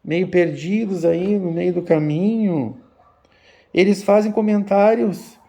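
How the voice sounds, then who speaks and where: A man, an umbanda teacher giving a slow, repetitive religious talk to his viewers. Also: sits high, gravelly, mellow, dull audio. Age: 50s. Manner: slow, repetitive, addressing listeners as "gente". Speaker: umbanda spiritual teacher and channel host.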